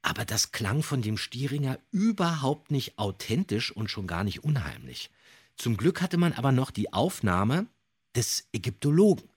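A man co-hosting a podcast, telling a story in an animated way with dramatic emphasis and built-up suspense. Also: mid-range voice, moderate pace, husky. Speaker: podcast co-host.

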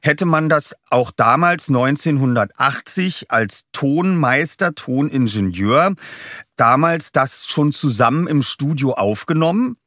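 A man's voice: medium pitch, animated, unhurried, a bit bright, no echo, studio quality. A man on a podcast panel, explaining as a sound expert in casual conversation.

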